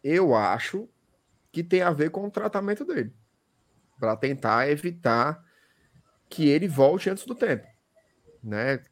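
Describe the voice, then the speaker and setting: A man hosting a casual sports chat, speaking. His voice sits fairly high and he talks in a lively way, laughing often and using a lot of regional slang. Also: measured pace, long pauses. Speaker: host.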